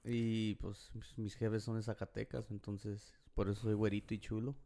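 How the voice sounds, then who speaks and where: A man's voice: fairly low pitch, flat delivery, normal speed, gravelly, mellow. A man from Los Angeles with a Mexican-American accent in Spanish, bantering casually in slang and often repeating his phrases. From Los Angeles, United States. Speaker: podcast co-host.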